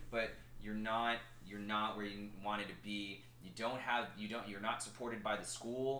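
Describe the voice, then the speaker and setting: There is noticeable background noise behind this voice. A man talks in a fairly low pitch with monotone, flat intonation. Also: moderate pace. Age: 20s. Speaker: podcast host. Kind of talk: casual chat.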